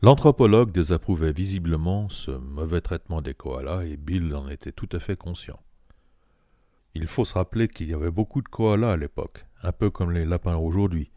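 A man reading an audiobook in a measured, understated way. His voice is very low and dark. The recording is dry and close. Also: no echo. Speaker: narrator. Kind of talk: audiobook narration.

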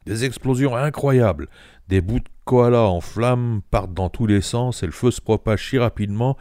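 A man's voice: medium pitch, moderate pace, mellow, no room sound, studio quality, voice pushed up, lightly acted. A man voicing a sly old male bush storyteller who spins tall tales with emphatic swings in a read-aloud story. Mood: yarn-spinning.

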